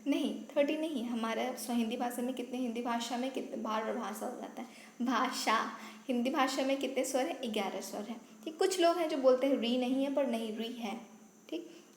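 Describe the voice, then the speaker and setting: A woman's voice: fairly high pitch, a little fast, darkish tone. Hindi grammar teacher woman, echoey room. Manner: explains step by step with frequent checks like "ठीक है"; apologizes for her own imperfect pronunciation. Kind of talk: online exam-prep lesson. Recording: echoey room with faint ambient noise.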